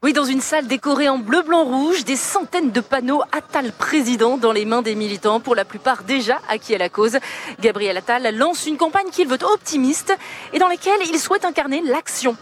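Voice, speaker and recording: A woman political reporter narrating a news piece in a measured way. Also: high-pitched.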